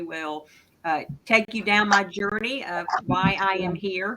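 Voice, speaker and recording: The pitch variation is ordinary. This woman's voice rests at a medium pitch. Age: 60s. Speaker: personal trainer and gym owner. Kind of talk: interview on a live show. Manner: halting, many restarts and fillers.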